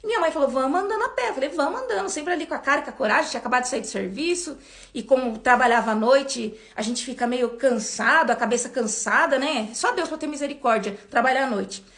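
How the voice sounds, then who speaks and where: A woman in her twenties with a Brazilian accent, telling a personal faith testimony as a church member, with animated storytelling and repeated words. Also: high-pitched, quick pace. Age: 20s.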